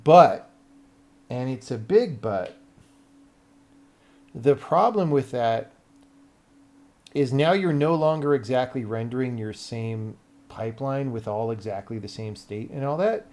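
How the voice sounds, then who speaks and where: A man's voice: medium pitch, lively intonation, measured pace, long pauses, a little mellow. An American man talking casually on a livestream as a game developer, blunt and sweary, thinking aloud as he explains things to viewers.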